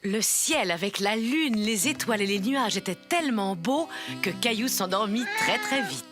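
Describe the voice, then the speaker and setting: A woman playing a grandmother who reads a children's story aloud, with expressive, carefully articulated narration. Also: mid-range voice, normal speed, natural voice. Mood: soothing. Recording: music behind the voice.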